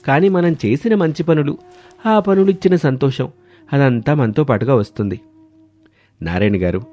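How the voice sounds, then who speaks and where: A man playing villagers in a moral story, speaking in an earnest, deliberate way. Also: medium pitch, darkish tone, close to an everyday voice. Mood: subdued, troubled. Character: villagers in a moral tale: greedy farmer and wise elder. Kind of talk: acted dialogue in a Telugu moral story.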